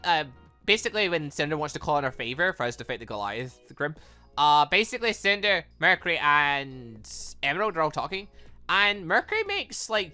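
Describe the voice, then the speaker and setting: Excitable gamer with a lively, bright voice. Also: mid-range voice. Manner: excitable, rambling. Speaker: gaming video host. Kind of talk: casual let's play commentary.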